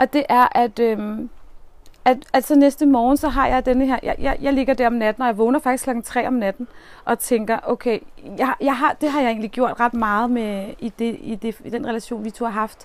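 A woman talks at a moderate pace in a high voice. Her intonation stays fairly even. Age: 40s. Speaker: podcast co-host. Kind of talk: casual chat. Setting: outdoors.

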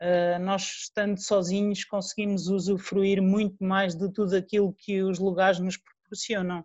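A woman with a medium-pitched voice talks at a moderate tempo. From Portugal, Figueira da Foz. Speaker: traveller and seasonal mountain hut worker. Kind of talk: interview testimony.

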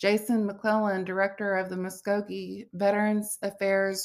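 A woman speaks with an Oklahoma accent at a moderate pace. Her pitch sits in the medium range. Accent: Oklahoma American English. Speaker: podcast host and Native storyteller. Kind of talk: solo podcast monologue. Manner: halting, many fillers.

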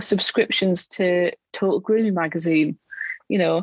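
A plain, everyday voice at a moderate pace with ordinary pitch variation, a dry, close sound with no echo and a quiet background. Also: woman. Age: 30s. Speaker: accountant for pet businesses. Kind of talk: casual chat.

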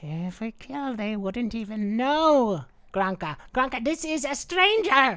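A man shouts in a put-on character voice at an extremely high pitch and a fairly slow pace. The recording is very clean, with a silent background. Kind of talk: comic overacting. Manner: shouting, broken grammar, hotheaded.

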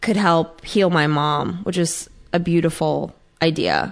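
A woman with a fairly low pitch. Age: 30s. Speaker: actor and podcaster. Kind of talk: personal testimony in interview. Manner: halting.

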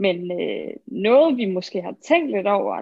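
A woman with a normal speaking voice uses medium pitch and lively intonation. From Køge area, Zealand, Denmark. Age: 20s. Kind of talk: casual interview. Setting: video call.

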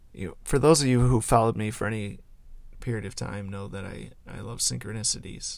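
A man's fairly low voice with vocal fry, ordinary pitch variation and a very fast pace. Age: 30s. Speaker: personal finance vlogger. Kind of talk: personal monologue.

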